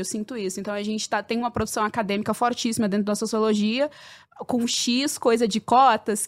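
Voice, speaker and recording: A woman in her thirties, a sociology researcher, talking on a podcast panel in an animated, emphatic, jokey way. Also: medium pitch.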